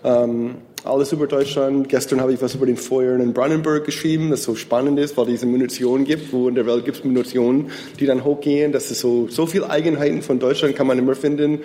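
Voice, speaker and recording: A man's voice: mid-range voice, fairly even intonation, a little fast, few pauses, mellow. A man from the United States whose first language is English, a freelance journalist introducing himself cheerfully and fluently on a panel. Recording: reverberant hall.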